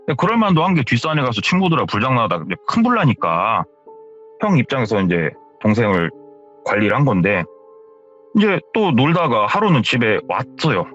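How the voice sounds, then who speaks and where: A man's voice: medium pitch, sing-song, fairly quick, fairly bright tone, muffled recording, faint music behind. A man narrating a horror story in a casual, chatty retelling, as the show's storyteller. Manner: casual spoken retelling, hearsay endings. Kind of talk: retold first-person horror story.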